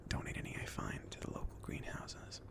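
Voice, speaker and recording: A man playing a chill, considerate mage in an ASMR fantasy roleplay, speaking softly in a casual, hesitant, reassuring way. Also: a little fast, natural voice. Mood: calm, explaining. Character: chill, considerate mage sending an apprentice on errands.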